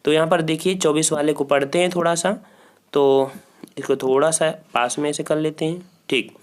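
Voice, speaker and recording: A man's voice: a little high, steady tone, normal speed. A man walking students through exam questions as a teacher. He repeats each answer and keeps saying "theek hai" as a filler. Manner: repeats answers, frequent "ठीक है" fillers, talks to students directly. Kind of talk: Hindi grammar quiz walkthrough.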